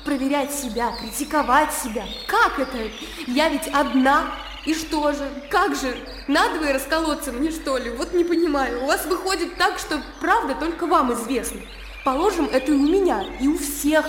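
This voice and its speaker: An actress playing a lively, headstrong young woman who argues playfully in a radio drama. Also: high voice, normal speed, reverberant, big-room sound, background noise, close to an everyday voice. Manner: spirited, teasing, laughing argumentative.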